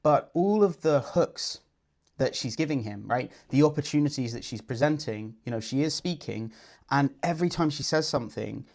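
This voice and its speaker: A man's voice: mid-range voice, expressive, normal speed, gravelly, a little mellow. Guy coaching on dating, breaking down clips, confident explainer voice. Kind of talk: video breakdown commentary.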